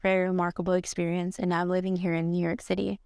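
A woman's voice: lowish voice, little pitch movement, fast talker, vocal fry, a little mellow, clean tone, no room sound, studio quality. A young woman teacher from Atlanta whose first language is Spanish, speaking thoughtfully in an interview with frequent ums and likes. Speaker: art teacher. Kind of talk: reflective podcast interview.

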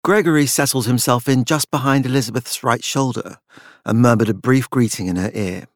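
A man's voice: mid-range voice, brisk, dry recording. Male audiobook narrator for literary fiction, middle register, dry studio sound. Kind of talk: scripted literary fiction narration with character voices.

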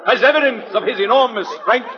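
A brash wisecracking pitchman, bright voice, muffled old radio sound with a crowd behind. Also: brisk. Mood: showy. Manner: brash showman patter. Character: fast-talking wisecracking male street pitchman. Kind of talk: 1940s radio acting. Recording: dull old radio recording with studio crowd.

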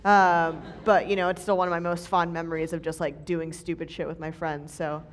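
A woman's voice: deep voice, little pitch movement, a little fast. A woman in her late twenties co-hosting a live podcast, telling a rambling, laughing story with casual swearing. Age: 20s. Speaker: podcast co-host.

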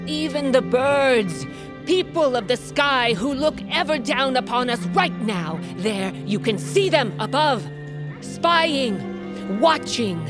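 An actress playing a stern, commanding tribal queen and mother who rallies her people with authoritative speeches. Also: a little high. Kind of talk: fantasy audio drama acting. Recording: music bed behind voice.

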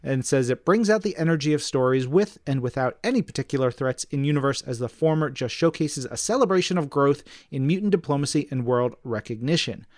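A man's voice: mid-range voice, expressive, a little fast, hardly any pauses, no echo, clean studio sound. A man co-hosting a podcast, chatting informally and enthusiastically and reading out listener mail. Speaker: podcast co-host.

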